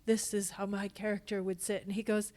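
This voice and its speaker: A woman's voice: mid-range voice, level tone, a little fast, darkish tone. A woman speaking as a podcast guest, explaining her thoughts in a casual, thoughtful conversational way. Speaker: podcast guest, stage actor.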